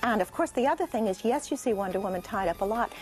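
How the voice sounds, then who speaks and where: A woman in a documentary interview, talking in a brisk, emphatic way. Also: mid-range voice, animated, a little mellow, faint music behind. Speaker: commentator on comics.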